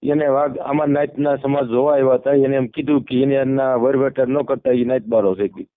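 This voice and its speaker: A man's voice: mid-range voice, fairly even intonation, brisk. A man with a Saurashtra Gujarati accent talking informally as a caller, deferential and often repeating himself. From Amreli district, Gujarat, India. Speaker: caller seeking help. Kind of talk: informal phone conversation. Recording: narrowband phone call audio.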